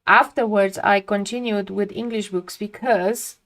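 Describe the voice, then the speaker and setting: A woman's voice: mid-range voice, steady tone, measured pace, a bit bright. A woman from Romania, speaking English as a second language, chatting casually and reflectively while she paints on a live stream, often trailing off mid-sentence.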